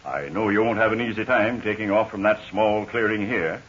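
Low-voiced, weary stranded pilot. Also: male voice, normal speed, a bit bright, breathy edge. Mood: worried, weary. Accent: American. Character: worried stranded male pilot, plain-spoken and weary. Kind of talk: 1940s radio serial acting. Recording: dull, hissy 1940s radio recording.

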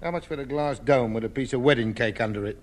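An actor playing a cheeky, coaxing rag-and-bone dealer in a 1950s radio sitcom. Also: male voice, medium pitch, fast talker, close to an everyday voice. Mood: wheedling.

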